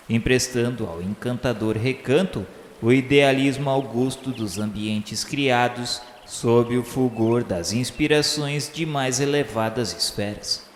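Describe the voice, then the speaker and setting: A Brazilian man narrating a radio novel as a reverent spirit recounting his memoirs, in formal, measured, poetic phrases. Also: medium pitch, slight background noise, lightly acted. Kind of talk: solemn literary radio drama narration. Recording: echoey long reverb, music behind.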